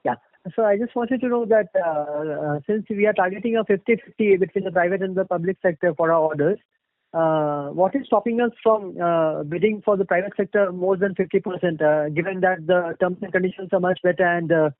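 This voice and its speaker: A man's voice: sits high, brisk, no echo. A man asking questions as an investor on a conference call, in a hesitant, wordy manner. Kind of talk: spontaneous earnings call questioning. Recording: dry, narrow phone line.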